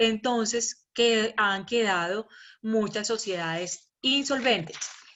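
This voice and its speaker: The speaker is a woman going at a very slow pace. Her pitch moves with ordinary variation. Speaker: law professor. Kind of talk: lecture.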